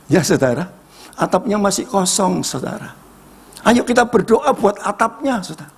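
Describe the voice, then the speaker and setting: Raspy, high, lively preacher. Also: male voice, moderate pace. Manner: emphatic, repeatedly addressing listeners, surging to shouts. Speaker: evangelist preacher. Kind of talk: sermon with personal testimony. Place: church service.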